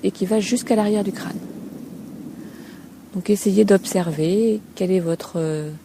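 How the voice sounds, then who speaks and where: A female Feldenkrais teacher with a mid-range voice talks listeners through a body scan without a script, her delivery soft, unhurried and marked by hesitant pauses between short phrases. Steady sea ambience and a few seagulls surround her outdoors by calm water.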